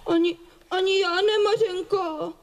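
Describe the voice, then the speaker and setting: A woman's voice: extremely high pitch, steady tone, slight background noise. A woman voicing a timid, worried little boy in a puppet-theatre fairy tale, plaintive and hesitant. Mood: frightened. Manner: plaintive, hesitant, repeating himself.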